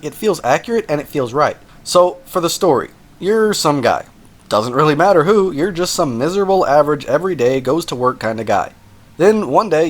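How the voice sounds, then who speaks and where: Animated man reviewing a video game. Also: a little high. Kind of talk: casual scripted review narration.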